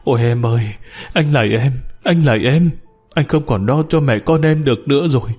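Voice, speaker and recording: A man's voice: mid-range voice, animated, moderate pace, darkish tone, soft background music, lightly acted. A man voicing a bitter underling who mocks, accuses and wails at his old boss. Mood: sobbing. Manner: mocking, accusing, wailing. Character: bitter downtrodden male underling, scornful, sobbing.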